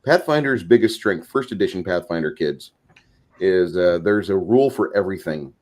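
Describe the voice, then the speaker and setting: Low-pitched man talking tabletop games. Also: animated, moderate pace, darkish tone. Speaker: tabletop gaming show host. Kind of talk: casual discussion, explaining game ideas.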